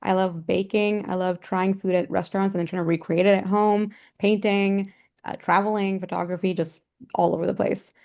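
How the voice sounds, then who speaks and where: A woman's voice: mid-range voice, flat delivery, normal speed, vocal fry, darkish tone. A woman introducing herself cheerfully on a video call panel. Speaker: panelist, product designer. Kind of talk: casual self-introduction.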